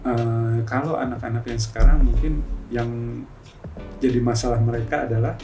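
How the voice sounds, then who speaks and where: A man's voice: medium pitch, steady tone, normal speed. A man talking casually as a guest, hesitant with many fillers and easy laughter. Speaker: guest, financial office employee. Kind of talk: relaxed conversational interview. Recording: distant mic with music behind.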